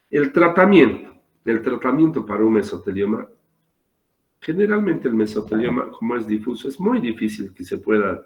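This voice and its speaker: A man lectures on surgery over a video call, his throat sore and rough. His voice sits low and he explains slowly, repeating himself. The call audio sounds roomy. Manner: slow, repetitive explaining with pauses. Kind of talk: online lecture. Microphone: computer mic on a video call.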